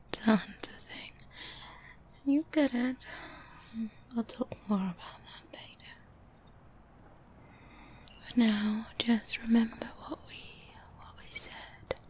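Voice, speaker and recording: A woman playing a protective, businesslike female vampire hunter in a hushed, soft-spoken ASMR roleplay, close to the microphone. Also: on the high side, breathy edge, heavily acted. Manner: hushed, reassuring, measured whisper. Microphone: close binaural microphone.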